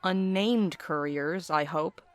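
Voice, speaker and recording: A woman's voice: fairly low pitch, takes it slowly. A woman playing a blunt, sarcastic courier in an audio drama, with a dry manner. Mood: bitter, sardonic. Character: sardonic, blunt, foul-mouthed courier.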